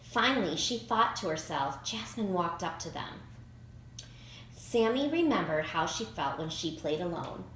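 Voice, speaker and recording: Lady reading a kids book out loud, really lively and expressive, echoey room w some noise. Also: fairly low pitch, unhurried. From United States. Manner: expressive, emphatic storytelling for children. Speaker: children's author reading own picture book. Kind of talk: read-aloud storybook narration. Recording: roomy echo, clear background noise.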